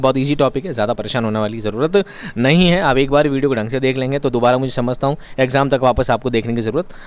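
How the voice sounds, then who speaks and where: A man's voice: medium pitch, clear, resonant tone. A man teaching an exam-prep lesson, explaining each point by repeating it in other words and asking rhetorical questions.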